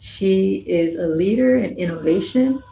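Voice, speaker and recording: A woman voicing a signed introduction and interview as interpreter, speaking slowly in measured phrases. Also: mid-range voice, creaky, mellow. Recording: echoey room with faint ambience.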